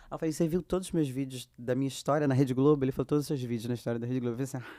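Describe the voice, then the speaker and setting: A Brazilian woman with a Brazilian Portuguese accent, a guest actress telling lively anecdotes and acting out the dialogue she quotes. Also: rumbling low, racing. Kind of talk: casual storytelling.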